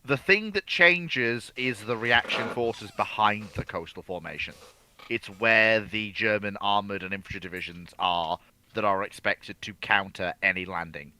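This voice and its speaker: A man's voice: lowish voice, unhurried, sharp tone. A man speaking as a co-commentator in a casual discussion, explaining his points with emphasis. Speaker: panel co-commentator.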